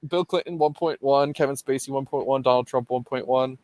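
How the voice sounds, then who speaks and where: A man hosting a comedy podcast, joking, laughing often and reading lists of ratings deadpan. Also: mid-range voice, fairly quick. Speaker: podcast host. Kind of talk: casual comedy chat.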